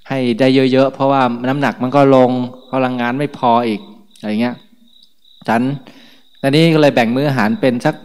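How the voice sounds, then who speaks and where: A male Buddhist monk giving a relaxed, chatty morning sermon talk, often laughing between remarks. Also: mid-range voice, long reverb tail.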